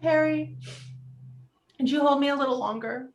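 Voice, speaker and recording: A high female voice in a roomy space as an actress reads a heartbroken woman in her thirties. She is emotional and hard on herself, in romantic comedy film dialogue. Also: normal speed, highs cut off. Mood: tender, shy. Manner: emotional, self-critical. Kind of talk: virtual table read of a film script.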